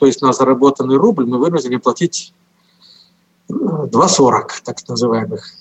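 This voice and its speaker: In an unremarkable speaking voice, a man talks at a fairly high pitch. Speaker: regional organization chairman. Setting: phone call with poor line.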